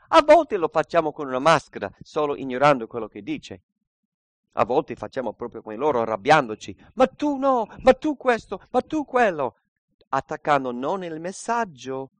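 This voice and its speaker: A man preaching a sermon and reading scripture aloud, earnest, moving between quiet reflection and emphatic points. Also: mid-range voice, no room sound.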